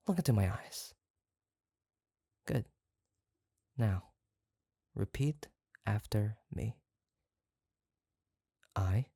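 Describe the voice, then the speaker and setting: An actor playing an obsessive, doting yandere kidnapper in a roleplay audio drama, halting and coaxing, tender yet menacing. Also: medium pitch, creaky, dark tone, husky, dry recording, clean studio sound, full character voice. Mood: coaxing, playful. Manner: halting, gushing, coaxing, with nervous stammers. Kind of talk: roleplay audio drama, intimate one-sided monologue.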